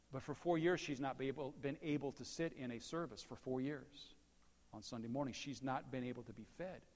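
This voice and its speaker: A normal speaking voice delivers the words fairly quickly. Its pitch shifts in an ordinary way. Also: man, medium pitch for a man. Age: 50s. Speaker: pastor. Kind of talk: sermon. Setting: church service streamed on Facebook.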